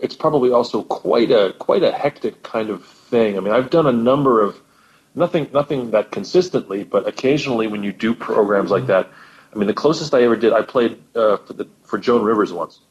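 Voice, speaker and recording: A man's voice: lowish voice, brisk, muffled recording. A man, a professional musician guest, chatting with enthusiasm and often repeating words as he thinks. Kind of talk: casual chat.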